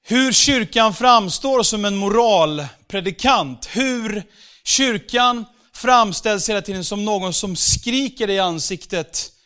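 A man giving a conversational church sermon, slowing down for scripture and sometimes raising his voice for emphasis. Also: high voice, lively intonation, smooth. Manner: conversational preaching with fillers, slows for scripture, bursts louder for emphasis. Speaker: pastor.

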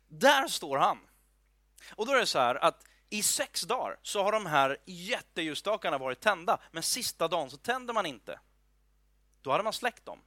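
A man's voice: sits high, sharp tone, no echo. A man giving an informal, chatty sermon, joking and checking in with his listeners as he explains a Bible passage. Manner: chatty, joking asides, many fillers and restarts; asks the audience "are you with me". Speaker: preacher.

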